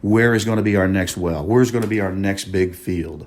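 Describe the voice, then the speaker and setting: This man has an unremarkable speaking voice and an American accent. He talks at a fairly quick pace with ordinary pitch variation. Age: 60s. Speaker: oil and gas geologist and operator. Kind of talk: radio interview.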